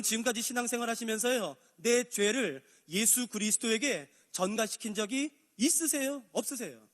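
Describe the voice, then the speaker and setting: A male pastor preaching a Bible study sermon, animated, acting out little dialogues with God. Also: very high voice, in a large hall. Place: church sanctuary.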